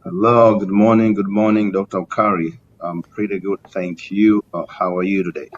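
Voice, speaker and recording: A middle-aged man with a Tanzanian accent answering as an interview guest, formal and courteous, with many halting hesitations. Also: level tone. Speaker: interview guest, community business leader. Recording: muffled lo-fi link with rumbling noise.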